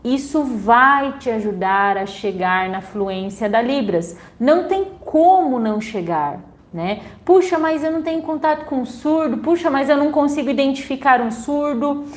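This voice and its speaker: Young Brazilian woman teacher, slightly high, chatty class delivery. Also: expressive, normal speed. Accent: Brazilian Portuguese. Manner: chatty, frequent "né?" tags. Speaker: sign language teacher. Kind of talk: online class talk.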